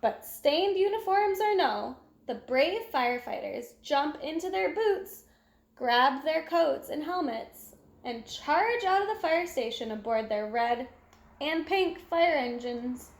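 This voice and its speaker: High-voiced woman reading a storybook slowly. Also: gravelly. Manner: animated, exclamatory, acts out sound effects. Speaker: storyteller reading a picture book aloud. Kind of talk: expressive children's read-aloud narration. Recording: echoey room.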